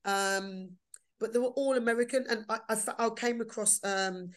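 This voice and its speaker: A woman's voice: on the high side, steady tone, normal speed. A woman with a Black Country accent talks casually as an interview guest, emphatically repeating words for stress. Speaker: podcast guest, performer and writer.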